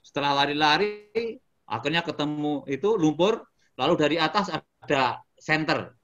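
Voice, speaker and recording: A middle-aged man from Indonesia who works as a motivational speaker, chatting in an interview. His voice sits a little high and stays animated. He tells his story with chuckles and sudden shouted exclamations. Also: normal speed.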